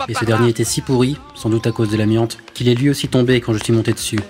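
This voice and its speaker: A man playing a deadpan narrator in an absurd parody audio drama, reading scripted comedy. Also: mid-range voice, quick pace, lightly acted. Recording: music behind the voice.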